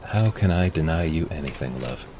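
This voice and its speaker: An actor playing a gentle, devoted male companion robot in a radio drama, speaking softly and soothingly. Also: very deep voice, lively intonation, normal speed, very noisy. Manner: soft, soothing and tender. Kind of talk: golden-age style radio play acting. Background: music score.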